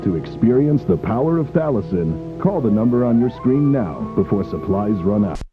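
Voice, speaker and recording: A man voicing a male announcer in an old television commercial, giving a slick salesman's read of a product pitch. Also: sing-song, moderate pace. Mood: salesy. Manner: slick salesman's read, listing items one after another. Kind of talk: retro TV commercial voice-over. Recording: dull lo-fi clip over music. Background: music.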